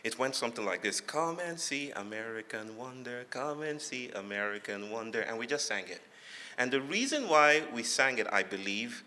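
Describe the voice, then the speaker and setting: With a Nigerian accent, a man from Lagos gives a public talk as a guest lecturer, playful and reflective, telling funny stories in measured phrases broken by dramatic pauses. His voice is lowish, bright and forceful. He speaks in a large hall before an audience, where the sound echoes with long reverb.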